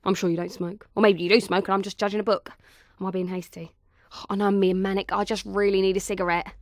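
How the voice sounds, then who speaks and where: A woman's voice: fairly low pitch, no echo, clean studio sound, natural voice. A woman performing a monologue as a nervy, manic, bookish young woman who chatters apologetically and self-consciously. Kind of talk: dramatic monologue.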